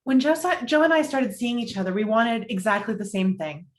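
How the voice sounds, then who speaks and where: A woman's voice: on the high side, expressive, a little fast, natural voice. An actress playing Sally's part in a romantic comedy table read, an earnest and particular newly single woman. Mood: earnest, confessional. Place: indoors, virtual video-call table read.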